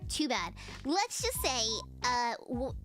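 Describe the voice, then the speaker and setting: A woman's voice: high-pitched, sing-song, takes it slowly. A young woman VTuber chatting casually on a livestream, giggling and rambling with many fillers as she reads comments. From United States. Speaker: VTuber streamer. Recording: music playing behind voice.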